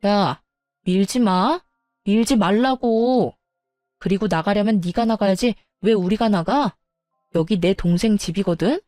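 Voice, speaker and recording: A woman voicing a hot-tempered sister-in-law who yells and insults, in a story reading. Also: medium pitch, unhurried, no echo, faint music behind, close to an everyday voice. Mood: yelling. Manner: shouting, insulting.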